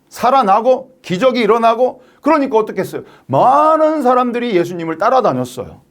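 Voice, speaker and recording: A man preaching a sermon to teenagers, telling the story in an animated way and acting out its scenes. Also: sits high. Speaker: youth pastor. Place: church.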